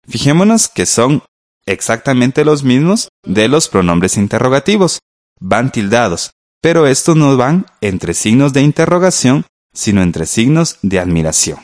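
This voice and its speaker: A man's voice: medium pitch, big pitch swings, unhurried, a little mellow. A man teaching a grammar lesson on radio, explaining patiently and speaking straight to the listener.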